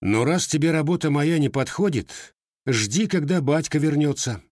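A man's voice: a little high, lively intonation, normal speed, a little mellow, no room sound, voice pushed up. A man voicing a proud young village armorer who talks in a dry, curt, mocking way. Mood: calm.

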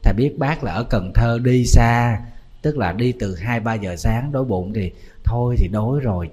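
Animated monk. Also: male voice, medium pitch, breathy edge. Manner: lively, animated storytelling with exclamations. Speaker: Buddhist monk. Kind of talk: storytelling sermon.

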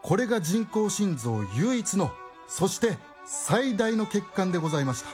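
A formal, theatrical storyteller narrating a radio drama in a mid-pitched voice. Clear music plays behind the narration. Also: sing-song, moderate pace.

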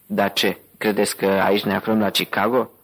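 A man's voice: fairly low pitch, flat delivery, a bit bright. A man reading as an insolent gum-chewing guard. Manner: insolent, drawling. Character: mocking gum-chewing armed male guard.

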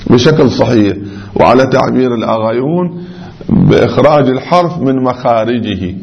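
Male seminary teacher, low gravelly voice, patient step-by-step lecturing, lo-fi dull recording. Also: lively intonation, normal speed. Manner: explains step by step, repeating examples and sounding out letters. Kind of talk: religious jurisprudence lecture.

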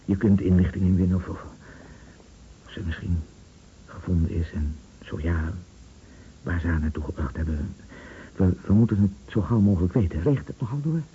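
An actor playing an anguished bedridden husband in a Dutch radio play, brooding and halting, often repeating his words and dropping to whispers. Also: deep voice, mellow, lightly acted. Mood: subdued, urgent. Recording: dull, noisy old radio recording.

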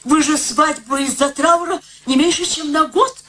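A woman's voice: sits high, normal speed, a bit bright, a little hiss or hum. An actress in a radio play playing a fussy, self-pitying elderly mother who coaxes and insists plaintively.

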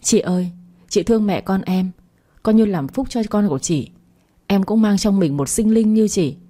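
A woman's voice: mid-range voice, moderate pace, warm tone, close to an everyday voice. A woman reading a story aloud, voicing a young pregnant mistress who begs and pleads tearfully. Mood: pleading. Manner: begging, tearful.

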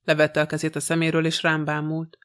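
A man reading a novel aloud in the first person, in an even, measured way. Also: on the high side, smooth. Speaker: audiobook reader.

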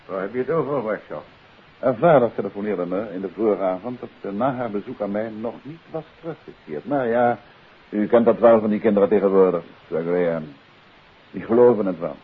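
Beheerste speurder, lage stem, oude radio. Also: male voice, on the low side, brisk, slightly rough. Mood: casual. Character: composed, courteous male private detective questioning people. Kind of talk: 1950s Dutch radio drama acting. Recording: hissy, narrow-band 1950s radio recording.

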